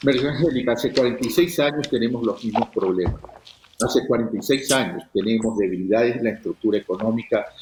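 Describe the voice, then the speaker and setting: Very fast speech from a man at medium pitch, ordinary pitch variation and very even loudness, with noticeable background noise. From Ecuador, Guayaquil. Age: 60s. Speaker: presidential candidate. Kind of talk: political interview. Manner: halting, with fillers and repetitions.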